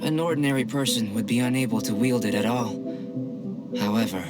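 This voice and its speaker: Actor for a calm, analytical young alchemist: formal, even delivery, music underneath. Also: male voice, mid-range voice, brisk, close to an everyday voice. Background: game music.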